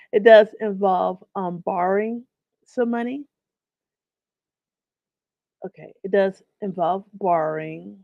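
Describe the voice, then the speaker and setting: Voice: medium pitch, dry recording. A livestream host teaches business finance in an easygoing, conversational way and stops to greet viewers in the chat by name. The voice is a little nasal from a lingering cold. The sound is dry and a bit dull and lo-fi. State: getting over a cold, slightly nasal. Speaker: host of a live online business series. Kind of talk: live-streamed business lesson.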